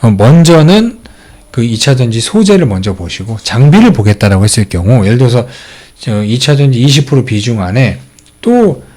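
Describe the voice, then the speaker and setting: Lively middle-aged man explaining stock charts. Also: medium pitch, moderate pace. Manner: explains charts step by step with many fillers. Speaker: stock channel host. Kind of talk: casual stock market commentary.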